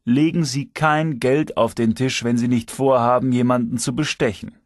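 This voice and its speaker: A man's voice: moderate pace, no room sound, lightly acted. Male reader playing a teasing ex-cop security chief, lifts his voice, dry audiobook sound. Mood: earnest. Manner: lively, teasing, raised pitch. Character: shrewd, moralizing male security chief, ex-detective.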